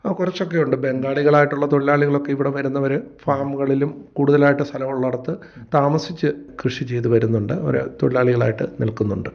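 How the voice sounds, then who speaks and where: A man, an agriculture assistant, giving measured, explanatory answers with hesitant fillers in a radio interview. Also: medium pitch, fairly even intonation, gravelly. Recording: dull lo-fi radio sound.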